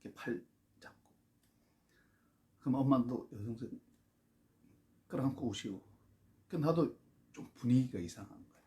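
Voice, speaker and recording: A man with a Gyeongsang accent telling a childhood story, halting and full of fillers. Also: medium pitch, warm tone. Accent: Gyeongsang Korean. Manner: halting, with many fillers and restarts. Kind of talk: personal storytelling.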